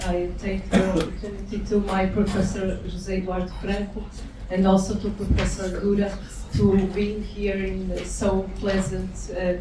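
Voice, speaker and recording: A Portuguese woman presenting at an academic conference in English with a Portuguese accent, hesitant and full of fillers and restarts. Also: mid-range voice. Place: conference hall. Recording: echoey hall, distant mic, noise.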